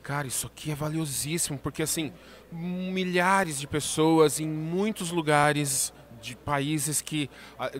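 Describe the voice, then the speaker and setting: A man with a Brazilian Portuguese accent, co-hosting a podcast, musing in a reflective, halting way. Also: a little high. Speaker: podcast co-host. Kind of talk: podcast conversation.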